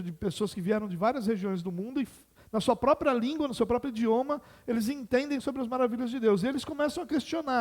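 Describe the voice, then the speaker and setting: A man's voice: high voice, a little mellow. A man with a Brazilian Portuguese accent preaching an expository sermon as pastor, explaining patiently and posing rhetorical questions.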